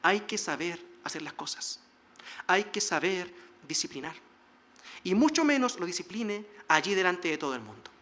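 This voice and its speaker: A man's voice: high-pitched, very animated, moderate pace, pushed and bright. A male pastor preaching a sermon in an earnest, exhorting way, now and then acting out short quoted exchanges. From Chile.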